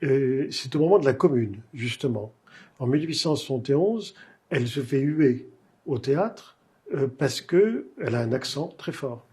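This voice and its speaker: A man hosting a literary interview, asking measured, digressive questions with frequent hesitations. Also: mid-range voice, lively intonation, a little mellow, slightly rough. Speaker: literary talk show host. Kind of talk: cultured interview conversation.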